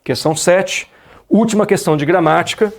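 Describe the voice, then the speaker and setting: A man's voice: high voice, moderate pace. A Brazilian man teaching an exam-prep grammar lecture, who explains step by step and keeps asking the class rhetorical questions. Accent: Brazilian Portuguese.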